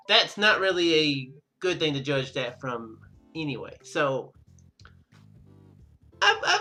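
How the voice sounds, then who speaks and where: Male let's play host: bright, very animated delivery, rambling think-aloud commentary, light music underneath. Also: on the high side. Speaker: gaming video host.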